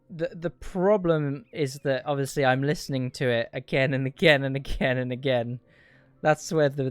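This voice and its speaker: A man's voice: mid-range voice, no echo. A man giving casual livestream speedrun commentary in a dry, rambling, sweary way. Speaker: video game speedrunner and streamer. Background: game music.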